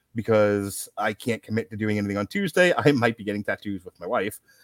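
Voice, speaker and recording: A man talks at a fairly quick pace in a normal speaking voice with ordinary pitch variation. The sound is dry and close, with no echo. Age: 40s. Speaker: podcast network host. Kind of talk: casual movie review chat.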